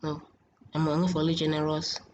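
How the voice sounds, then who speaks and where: A woman giving a casual software tutorial in a hesitant, repetitive, halting way, as a host. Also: low voice, little pitch movement. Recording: muffled, noisy home screen recording.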